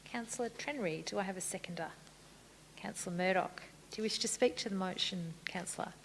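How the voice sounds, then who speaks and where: A woman serving as mayor and chairing a council meeting, moving briskly through formal procedure with light good humour. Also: medium pitch, vocal fry, a little hiss or hum, low-quality recording. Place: council chamber.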